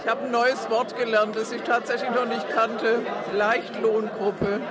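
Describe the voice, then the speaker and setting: An earnest man with a high, flat voice speaks thoughtfully as an audience member. A dense crowd fills the background. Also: measured pace.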